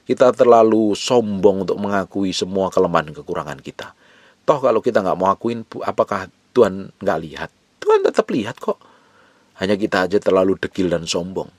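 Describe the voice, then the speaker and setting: Low-voiced guy preaching, pushes hard then drops quiet, says the same lines over and over, dry close sound. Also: dry recording. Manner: urgent exhortation, alternating forceful rises and hushed low phrases; repeats short phrases for emphasis. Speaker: pastor. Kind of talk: sermon.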